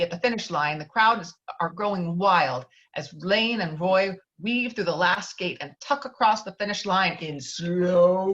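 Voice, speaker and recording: A woman's voice: mid-range voice, fairly bright tone. A woman reading screenplay stage directions as scripted narration, heard through slightly dull online audio.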